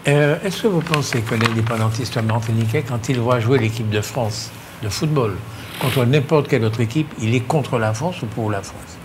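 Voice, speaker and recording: Male host, teasing and probing, mid pitch, clear background hiss. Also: normal speed. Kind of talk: panel discussion.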